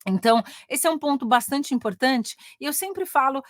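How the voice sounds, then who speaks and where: A middle-aged Brazilian woman with a Brazilian Portuguese accent gives a casual online lesson as an English teacher and career mentor, chatting away and often ending sentences with "né?" as she eagerly presses her points. Her voice is high with lively intonation, her speed normal, and the recording dry.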